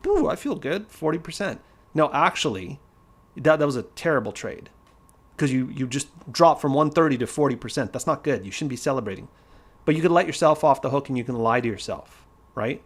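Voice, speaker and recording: A man in the middle of his vocal range who talks straight and hard, like a friend who won't sugarcoat anything. He teaches on a loose, casual stream and drives each point home through repetition. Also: medium pitch. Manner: blunt, emphatic, repeats key points. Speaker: trading educator.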